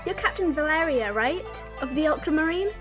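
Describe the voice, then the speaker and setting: An eager, starry-eyed female traveler in an adventure audio drama. She speaks in a high voice over some music. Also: lively intonation, moderate pace, fairly bright tone.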